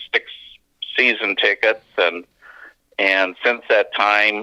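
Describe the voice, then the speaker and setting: Spoken at a fairly slow pace with a Wisconsin accent, the voice sounds dry and close, with no echo. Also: man. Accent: Upper Midwest (Wisconsin). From Wisconsin (Wrightstown, near Green Bay). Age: 70s. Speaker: football fan. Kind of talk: storytelling interview. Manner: halting, many fillers.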